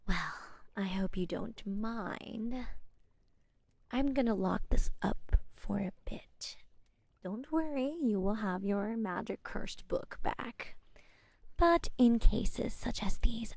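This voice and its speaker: A woman playing a wry, curious forest witch in a soft-spoken ASMR fantasy roleplay, musing and gently teasing in a breathy half-whisper. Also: mid-range voice, no room sound. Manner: unhurried, hushed, musing, politely teasing. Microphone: close-up ASMR microphone.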